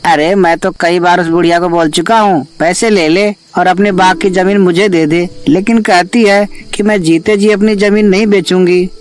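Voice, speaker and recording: A man playing a greedy, bullying village man in a children's animated story, pushy and scheming. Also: sits high, moderate pace, few pauses, close to an everyday voice.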